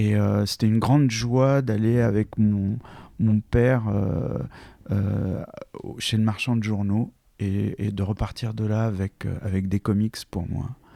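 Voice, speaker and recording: A man's dark, mellow tone at a very slow pace. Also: fairly low pitch for a man, fairly even intonation. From Iraq. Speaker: comic book artist and author. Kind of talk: interview. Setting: artist's studio. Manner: hesitant, many fillers and repetitions.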